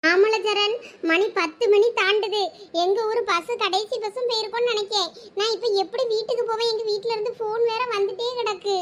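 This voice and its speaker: A woman's voice: very high voice, steady tone, fairly quick. A woman voicing bickering young village wives in a comic cartoon family drama, with a Thoothukudi Tamil accent and a quarrelsome, complaining manner. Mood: worried. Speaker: cartoon voice actor.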